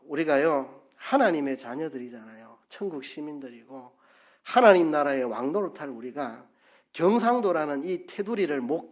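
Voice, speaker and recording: A male pastor preaching a sermon in a church, lively and playful, acting out tones of voice to make his point. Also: medium pitch. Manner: lively, playful, demonstrates intonation by repeating syllables. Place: church sanctuary.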